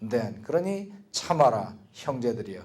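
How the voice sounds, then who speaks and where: A man's voice: mid-range voice, sing-song, unhurried, a little mellow. An older man teaching an English speaking lesson from Bible verses, joking and repeating words for the class to drill.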